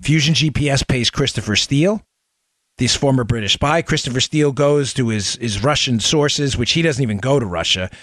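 A man's voice: mid-range voice, normal speed, fairly bright tone, dry recording, clean studio sound. A man hosting a political talk show, giving opinionated commentary with rhetorical questions, repeated phrases and direct address to listeners.

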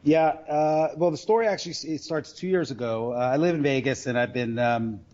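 Guy telling stories in an interview, rambly n halting, kinda muffled lofi audio. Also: a little high, a little mellow. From Queens, New York. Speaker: sports bettor guest. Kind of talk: casual storytelling interview. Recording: dull lo-fi audio.

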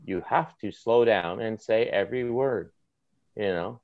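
This podcast guest, an author with a Maritime Canadian accent, has a fairly low voice and speaks a little slowly. His sports talk is animated and opinionated, colloquial and emphatic, built from short punchy phrases. There's no echo, but the sound is phone quality.

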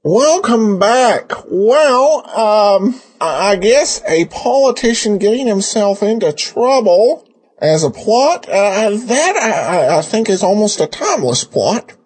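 A man hosting a podcast with casual commentary and listener mail, talking in a halting, hesitant way. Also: high voice, big pitch swings, a little mellow, slightly rough. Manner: halting, hesitant, with repeated starts. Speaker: podcast host.

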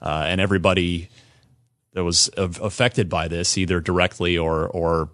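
A man hosts a casual gaming podcast in a fairly low voice, often stopping and restarting his sentences. The sound is dry and close to the mic, with no room around it. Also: no echo. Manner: somber and halting, then lively and animated. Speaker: podcast host.

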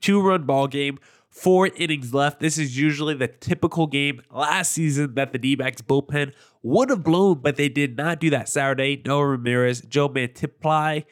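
A man's voice: fairly high pitch, moderate pace. A young man with a nasal, congested voice from allergies, hosting a sports podcast in a chatty, opinionated, rambling way. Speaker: podcast host. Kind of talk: casual sports podcast commentary.

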